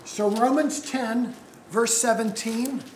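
A male pastor preaching a sermon, unhurried, putting questions to the congregation. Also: very high voice, steady tone, echoey room, slight background noise, rough recording.

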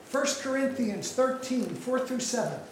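A male pastor preaching a sermon, unhurried, putting questions to the congregation. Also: very high voice, expressive, roomy sound, a little hiss or hum, poor audio.

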